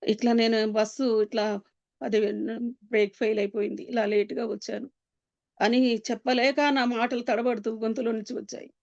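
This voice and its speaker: A woman giving an emotional personal testimony, earnest and pleading, with pauses and many fillers. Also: fairly high pitch, little pitch movement, gravelly, darkish tone, dry recording. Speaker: Christian testimony speaker. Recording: dull, dry lo-fi sound.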